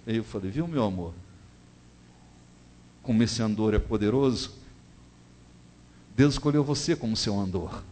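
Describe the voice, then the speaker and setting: A man with a Brazilian accent, a bishop preaching a sermon, who swings from hushed, confiding tones to loud exhortation. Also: lowish voice, lively intonation, unhurried, long pauses, a little hiss or hum. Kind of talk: sermon with a personal story. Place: church.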